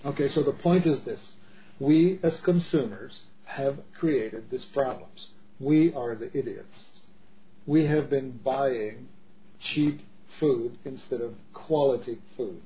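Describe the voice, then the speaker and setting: A man's voice: mid-range voice, slow pace. A middle-aged man from the Czech Republic, talking in an earnest, emphatic way with many restarts in a casual discussion. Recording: dull lo-fi audio with faint noise.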